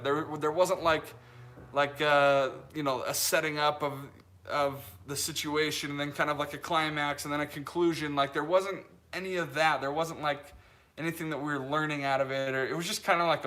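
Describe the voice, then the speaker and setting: Bright-voiced young man, rambling live stream. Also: a little high. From Utah. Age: 20s. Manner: rambling, with many restarts and fillers, laughs easily. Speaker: leatherworker hosting a live stream. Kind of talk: casual live-stream chat, reading viewer comments.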